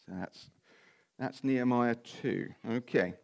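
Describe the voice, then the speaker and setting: A man preaching a sermon and reading scripture aloud, his voice croaky and a little nasal from a cold, with informal asides. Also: medium pitch, slow.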